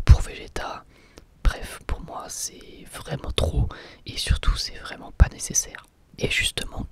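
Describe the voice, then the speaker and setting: A man hosting an ASMR channel, answering viewer questions in a soft, hesitant whisper with frequent pauses. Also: mid-range voice.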